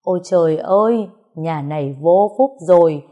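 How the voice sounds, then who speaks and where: A woman voicing a fierce older mother-in-law who scolds and laments loudly. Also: mid-range voice, lively intonation, normal speed, close to an everyday voice. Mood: scolding.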